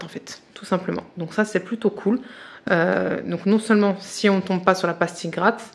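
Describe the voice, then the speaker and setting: A French woman chatting casually and eagerly to her viewers about budget challenges as she unboxes them, with many fillers and restarts, and tired. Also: fairly low pitch. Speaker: budgeting vlogger.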